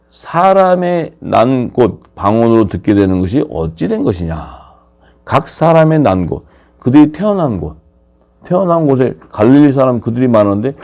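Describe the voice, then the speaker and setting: A man preaching a sermon, lively and questioning his listeners, his pitch swinging up and down. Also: gravelly, muffled recording. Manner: animated, asks the audience questions, pitch swings widely.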